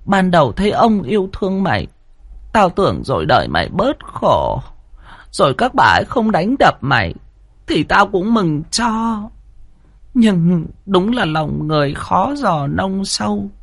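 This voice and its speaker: A man's voice: sits high, sing-song, unhurried, gravelly, no room sound, voice pushed up, exaggerated voice. A man voicing an old nursemaid who talks bluntly and defiantly in a spoken horror story. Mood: pitying. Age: older.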